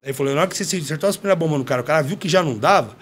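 A man, a former fighter, telling a story in casual chat, slangy and animated, acting out what others said. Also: fairly high pitch, racing. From Brazil. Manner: animated, slangy, acts out quoted dialogue. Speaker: podcast guest, former MMA fighter.

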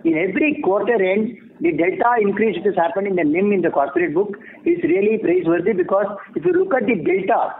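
A man with an Indian accent, a bank executive giving measured, formal, explanatory answers on an earnings call. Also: high voice, sing-song. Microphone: phone conference call. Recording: tinny phone line with clear noise.

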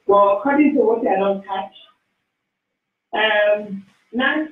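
A woman calling in to a radio talk show, speaking haltingly with loose phrasing and fillers. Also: medium pitch, recorded from a distance. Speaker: caller. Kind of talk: phone-in call. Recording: tinny phone line through echoey studio.

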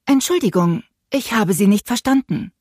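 A woman voicing a relentlessly friendly female automated phone voice, polite, measured and unflappable. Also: medium pitch, lively intonation, a little mellow, husky, no echo, clean studio sound, voice pushed up. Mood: politely robotic.

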